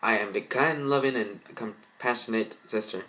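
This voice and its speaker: A gentle, forgiving young sister in a storybook tale, read by a man. The delivery is earnest and plain, and the pitch sits fairly low. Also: moderate pace, poor audio.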